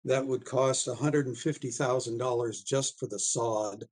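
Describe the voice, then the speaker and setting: A man of average pitch speaks up at a town meeting. His intonation stays flat, and he builds his argument haltingly, thinking aloud as he goes. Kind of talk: formal public comment, unscripted argument.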